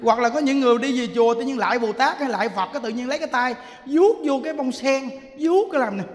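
High-voiced monk telling lively stories. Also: male voice, fast talker, big-room sound. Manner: animated storytelling, laughing, acting out people. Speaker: Buddhist monk. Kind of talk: sermon.

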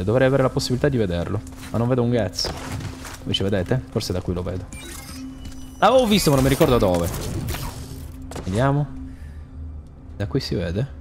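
Animated Italian-speaking man shouting at game enemies. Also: mid-range voice. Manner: animated, swears often, shouts at enemies, mutters while searching. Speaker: gaming channel host. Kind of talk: casual gameplay commentary. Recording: game music behind the voice.

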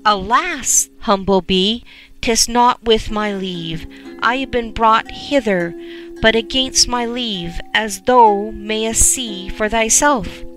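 A plaintive young prince from a storybook tale, as a woman reader puts him on, pleading in archaic words. The voice lifts higher and brighter than her narration. Soft music sits behind it. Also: takes it slowly, rough recording.

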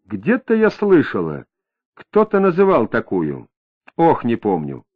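A capricious young woman, as a male reader puts her on, her lines swinging between a dreamy drawl and sharp, prickly snaps. The voice moves lively up and down in pitch. The sound is thin and tinny, like a phone line. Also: unhurried, breathy edge, full character voice.

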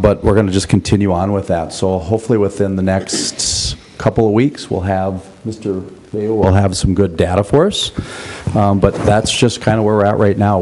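A man's voice: deep voice, darkish tone, a little hiss or hum. A man in his fifties giving an informal report as a school principal at a podium microphone in a meeting room. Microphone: gooseneck podium microphone.

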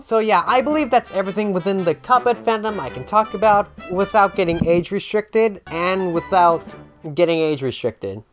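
A man's voice: high-pitched, normal speed. A man in his twenties giving rambling, theatrical comedic commentary as a YouTube host, often interrupting himself, speaking into a close handheld microphone. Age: 20s. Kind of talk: comedic fandom commentary to camera. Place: small bare-walled room indoors. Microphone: handheld microphone close to the mouth. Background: background music.

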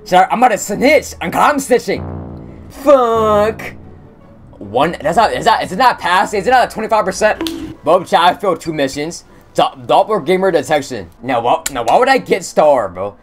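A young man casually commentating on a game stream, using slang and talking excitedly to his chat. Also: sits high, normal speed, faint music behind. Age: young adult. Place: indoor room at streaming setup.

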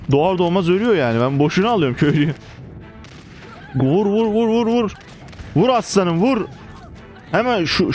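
Young male gamer, slightly high voice, excitable running commentary, faint music underneath. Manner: excitable, chanting urgent commands at units. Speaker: gaming YouTuber. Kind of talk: casual gameplay commentary.

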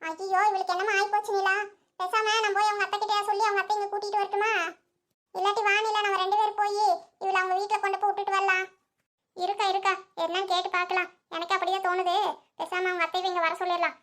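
A woman's voice: extremely high pitch, flat delivery, fast, fairly bright tone. A woman voicing chatty village women in a cartoon, fussing, gossiping and scolding. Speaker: cartoon character.

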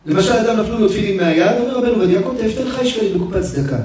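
A man, a rabbi, preaching an emotional sermon and telling stories, his delivery swinging between loud and hushed. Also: high voice, lively intonation. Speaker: rabbi giving a lesson. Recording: echoey hall, speaker far from the mic.

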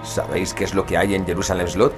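A man's voice: low-pitched, little pitch movement, fast talker, over music, lightly acted. An actor playing an anxious, impatient stranded husband and father in an audio drama, agitated, demanding and prone to stammer. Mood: confused, worried.

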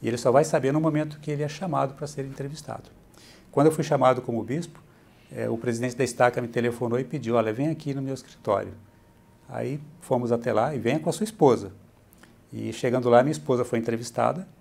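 Gravelly husky Brazilian man. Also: medium pitch, quick pace. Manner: steady, explanatory, adds "né" often. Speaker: church bishop, interview guest. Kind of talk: explanatory interview answers. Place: bright furnished room, indoors.

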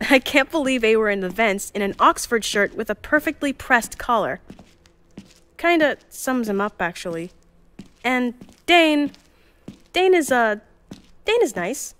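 A woman's voice: fairly high pitch, animated, unhurried, long pauses, a bit bright, smooth. An actress playing Jules, a cheerful, chatty young woman who organizes a time capsule team. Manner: bubbly, chatty, flustered. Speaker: narrator of time capsule recordings.

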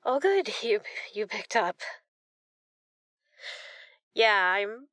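A woman playing a distraught, apologetic woman seeking comfort at night, crying and speaking softly and haltingly in an intimate audio roleplay. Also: medium pitch, big pitch swings, no room sound, studio quality, exaggerated voice. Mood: tearful, pleading. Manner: halting, apologetic, soft-spoken. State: crying, upset.

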